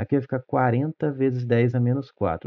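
A man with a Brazilian accent against a quiet background. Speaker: physics teacher. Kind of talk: tutorial.

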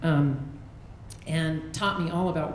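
A woman with a very deep, low voice speaks with fairly even intonation, amid audible room echo and light background noise. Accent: American. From Oregon, US Pacific Northwest. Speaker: law school academic support director; law professor giving a speech. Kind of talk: speech at a celebration. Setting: event with live audience. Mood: warm, grateful, reflective. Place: hall. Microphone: handheld.

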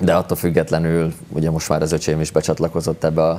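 The man's voice is very deep and low. He talks at a fairly quick pace. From Hungary (Székesfehérvár), born in Transylvania; Hungary. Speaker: ice hockey player; guest. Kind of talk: TV interview. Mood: relaxed, smiling. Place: studio. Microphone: lapel.

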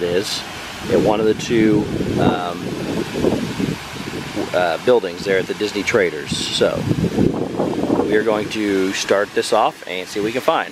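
Loud background noise sits behind a man talking at a moderate pace. He leaves long, frequent pauses, and the sound is dry with no echo. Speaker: theme park vlogger. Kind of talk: casual vlog chat. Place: street. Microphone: phone near.

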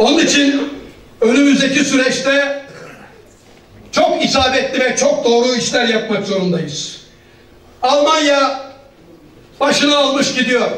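A man speaks at an extremely high pitch with ordinary pitch variation and very even loudness, amid audible room echo. His pace is very slow, with long, frequent pauses. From Eastern Anatolia, Erzincan (Tercan); Eastern Anatolia. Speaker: trade union leader and politician; speaker. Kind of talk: political speech. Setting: stage with audience. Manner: rousing, emphatic. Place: hall.

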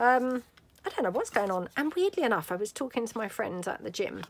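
A woman with a British accent. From UK. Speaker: crafting YouTuber. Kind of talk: casual crafting tutorial chat. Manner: chatty, filler-heavy.

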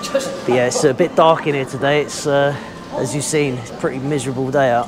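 Music plays in the background as a man speaks. He goes at a fairly quick pace with fairly even intonation. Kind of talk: casual vlog chat. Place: workshop. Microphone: lapel.

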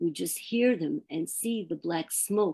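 At a very slow pace, a woman speaks with a dark, mellow tone and lively intonation over a quiet background. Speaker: poet. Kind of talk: reading aloud. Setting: video call. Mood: calm, grave narration of war. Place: home room.

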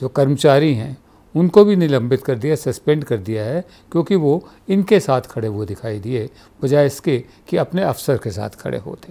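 At a fairly slow pace, a man talks with lively intonation and a dark, mellow tone. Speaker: news show host. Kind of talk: news commentary. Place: home room.

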